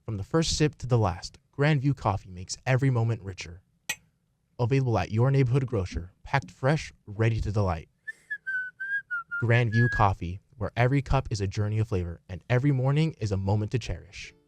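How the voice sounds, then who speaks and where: A man's voice: fairly low pitch, lively intonation, a little fast, noisy background. A man reading a scripted commercial as an announcer. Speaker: advert announcer. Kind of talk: scripted coffee commercial read.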